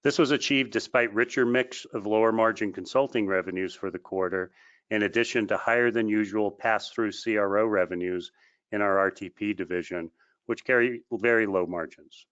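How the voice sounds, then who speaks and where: A man reading a scripted financial results presentation in a formal, measured way, as a company executive on a conference call. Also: fairly low pitch, a bit bright. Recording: dull, lo-fi conference call audio.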